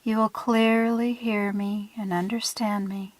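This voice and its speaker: A woman leading a guided visualization in a soothing, hushed manner, with deliberate phrasing and breathy trailing ends. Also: medium pitch, flat delivery, dry recording. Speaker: guided meditation leader.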